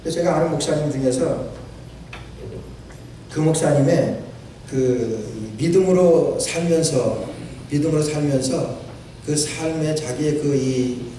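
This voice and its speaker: A man's voice: on the high side, unhurried, pauses often, dark tone, slight background noise. A male pastor preaching a sermon, repeating phrases for emphasis and quoting scripture. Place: church sanctuary. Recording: echoey church hall from a distant mic.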